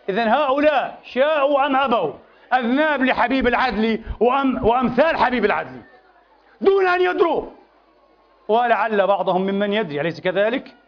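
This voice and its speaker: Fiery male preacher, high voice, rapid emphatic delivery, dull lo-fi mosque recording. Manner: impassioned, emphatic, repetitive rhetoric. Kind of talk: Friday sermon.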